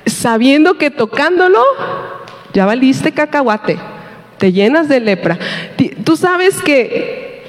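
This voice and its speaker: A man preaching a sermon as pastor, animated and quizzing his congregation. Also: very high voice, slow, long pauses. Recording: echoey hall with long reverb.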